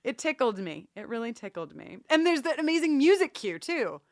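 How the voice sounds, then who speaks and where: A woman's voice: high voice, brisk, no echo, clean studio sound. A woman co-hosting a podcast, chatting casually through a TV episode recap and acting out reactions. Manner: animated, acts out reactions. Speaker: podcast co-host.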